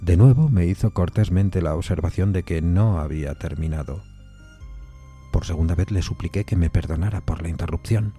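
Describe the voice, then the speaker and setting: An actor playing a polite, rational but uneasy gentleman visitor, narrating an audio ghost story in a formal, measured way with a dark, husky voice. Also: low-pitched, faint music behind, natural voice. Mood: uneasy, reasoning. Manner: formal, measured, hesitant when questioning. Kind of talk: dramatised first-person narration, audio fiction.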